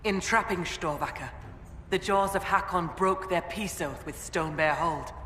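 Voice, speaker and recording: A man playing a grave, proud tribal leader in a fantasy game, speaking formally and with measured solemnity. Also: high voice, pushed and bright. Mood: solemn, stern. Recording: roomy reverb with faint ambient noise.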